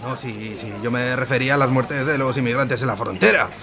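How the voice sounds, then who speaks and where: Bashful lover, acted by a man, medium pitch, stammering, comic radio soap over crowd noise. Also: brisk, close to an everyday voice. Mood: flustered, lovestruck. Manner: stammering, awkward. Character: self-important, bashful, stammering male suitor. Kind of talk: amateur radio soap comedy.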